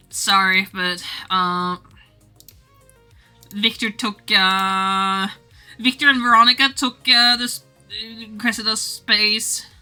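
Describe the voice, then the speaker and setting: A woman streaming casually to her viewers in a giggly, rambling, animated and teasing way as she works on art. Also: mid-range voice, clean tone. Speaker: streamer drawing game art live. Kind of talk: casual livestream chat with viewers.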